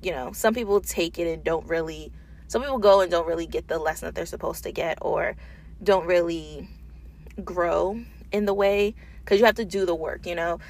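A woman's voice: fairly low pitch, steady tone, normal speed, a little mellow. A woman talking casually and informally in an unedited solo podcast, thinking aloud as the host, recorded in a small office booth.

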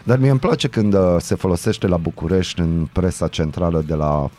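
A man hosting a regional radio morning show, loud and jokey as he reads the news and banters with his co-hosts. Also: sits low, animated, slight background noise. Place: radio studio.

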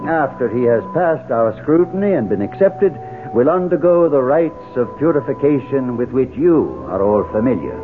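A man's voice: mid-range voice, lightly acted. An actor playing a grandiose, menacing male cult leader in a pompous, oratorical, incantatory way in a 1970s radio drama. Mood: solemn, preaching. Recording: tinny, noisy 1970s radio recording.

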